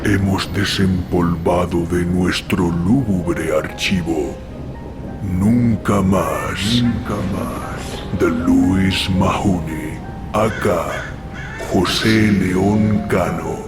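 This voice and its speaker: A man announcing a horror audio show in a scripted, theatrical way, with ominous, deliberate, separated phrases. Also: low-pitched, steady tone. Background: music behind the voice.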